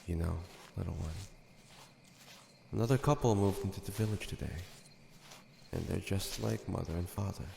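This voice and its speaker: A man playing a gentle, protective demon older brother in an audio drama, coaxing and reassuring as he talks. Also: low-pitched, moderate pace, gravelly, pauses often. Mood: fond, teasing. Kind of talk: dramatic audio roleplay acting. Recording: echoey, long reverb, faint noise.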